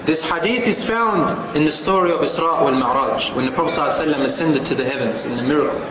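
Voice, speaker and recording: A man preaching a Muslim sermon to a congregation, solemn and emphatic like a preacher, with deliberate pauses. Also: fairly high pitch, muffled recording, over a noisy crowd. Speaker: Muslim preacher giving a religious talk. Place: large echoing room before an audience. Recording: very echoey hall, clearly noisy background.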